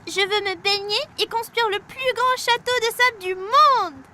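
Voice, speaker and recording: An actor voicing an excited, curious four-year-old boy in a children's cartoon, speaking in simple, eager phrases. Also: very high-pitched, normal speed, exaggerated voice. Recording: children's cartoon music behind voice.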